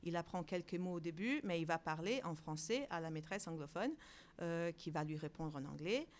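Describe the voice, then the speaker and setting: A woman who directs a bilingual preschool answers interview questions, pausing often with fillers and restarts. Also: lowish voice. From outside Europe. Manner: hesitant, many fillers and restarts.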